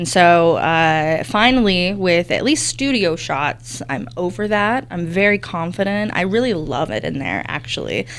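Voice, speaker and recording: Very wide pitch swings mark this fairly slow delivery in an American accent, with hardly any pauses and noticeable background noise. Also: woman, fairly low pitch for a woman. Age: young. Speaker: TV news reporter. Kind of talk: casual interview chat. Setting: studio.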